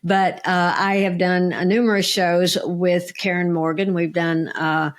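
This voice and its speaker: A woman comedian co-hosting a podcast, gushing about her friend with many halting uhs. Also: lowish voice, little pitch movement. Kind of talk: casual podcast chat.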